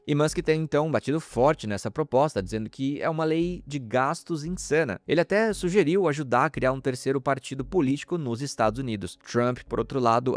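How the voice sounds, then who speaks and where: A man's voice: mid-range voice, no echo. A man from Chile hosting a news podcast, talking in a chatty way and making asides to his listeners.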